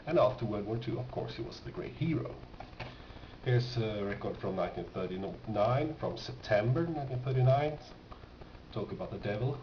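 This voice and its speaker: A man with a Swedish accent, a native Swedish speaker, talks casually and haltingly as he shows items from his collection, often pausing mid-sentence. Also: fairly low pitch, animated. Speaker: record collector presenting finds. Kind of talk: casual unscripted show-and-tell. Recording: dull, echoey, noisy amateur room recording.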